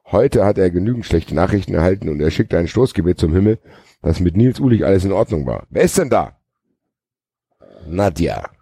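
A man's voice: low voice, expressive, quick pace, mellow, husky, dry recording. A man hosting a podcast, reading a novel aloud with joking asides. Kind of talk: casual read-aloud with banter.

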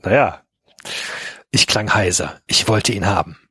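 A man's voice: fairly low pitch, measured pace, sharp tone, husky, no room sound. A man hosting a podcast, reading a story aloud with amused, wry asides and joining a casual chat. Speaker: podcast host.

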